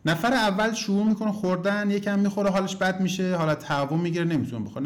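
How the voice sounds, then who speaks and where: A man teaching a relationship course to his students, talking to them directly, telling anecdotes and pushing his points with big rises and falls in pitch. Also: darkish tone. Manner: emphatic, swings pitch up and down for emphasis; addresses listeners directly as "kids".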